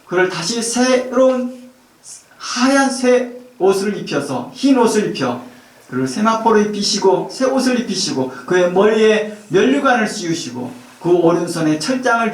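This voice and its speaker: A male pastor giving an earnest sermon, reading scripture slowly and pleading warmly in the Lord's voice. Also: sits high, lively intonation. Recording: echoey church from far off.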